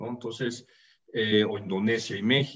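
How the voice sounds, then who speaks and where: A man talks at a medium pitch. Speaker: professor and security analyst. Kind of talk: interview. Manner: halting.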